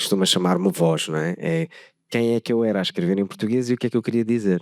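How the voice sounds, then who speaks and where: This is a man speaking. His pitch is fairly low. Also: dry, close sound with no echo. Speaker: singer-songwriter. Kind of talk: interview. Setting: auditorium with audience. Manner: halting, many fillers.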